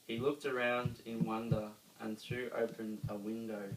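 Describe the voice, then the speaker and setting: A man with an Australian accent reads a children's story aloud, dramatically, with emphatic pauses. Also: medium pitch, flat delivery. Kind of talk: expressive children's story reading. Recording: roomy, distant mic, faint noise.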